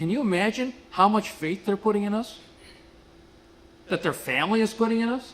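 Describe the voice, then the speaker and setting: A man with a high pitch and ordinary pitch variation speaks at a fairly quick pace, broken by long, frequent pauses. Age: 60s. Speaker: flight instructor speaker. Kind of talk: conference talk.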